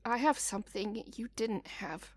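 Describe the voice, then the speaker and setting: A woman playing a battered, stubborn, foul-mouthed captive in an audio drama, wry and defiant with a creaky voice. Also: medium pitch, animated, unhurried.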